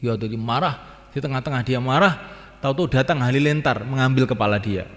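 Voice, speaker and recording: A man's voice: mid-range voice, brisk, fairly bright tone. A man delivers a religious talk, hammering his points home by repeating them and breaking into chanted phrases now and then. His voice sits in a middling register. It rings out through a hall with a long, trailing reverb. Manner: repetitive, emphatic, chants call to prayer phrases. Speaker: preacher.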